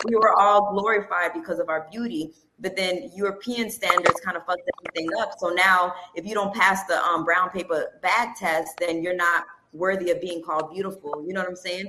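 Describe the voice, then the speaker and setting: A normal speaking voice with an American accent, ordinary pitch variation and a fairly quick pace. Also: woman, medium pitch for a woman. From South Florida (North Miami), Haitian American. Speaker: singer-songwriter. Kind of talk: casual chat.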